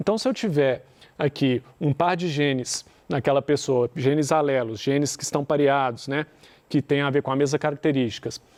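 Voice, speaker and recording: A man with a plain, everyday voice talks at a moderate pace in a dry, close sound with no echo. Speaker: science teacher. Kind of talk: lecture.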